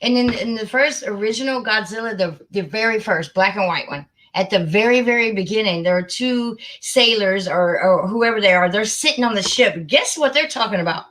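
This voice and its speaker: Chatty woman on a livestream, bright voice, gets excited, mutters to herself. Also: medium pitch, moderate pace, few pauses, low-quality recording. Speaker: livestream host. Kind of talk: casual livestream chat.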